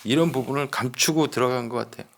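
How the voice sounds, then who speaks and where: Creaky-voiced man explaining a criminal case. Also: medium pitch, fast talker, a bit bright, slight background noise. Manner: emphatic, explanatory, repeats points, seeks agreement. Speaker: true-crime commentator with detective background. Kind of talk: conversational case commentary.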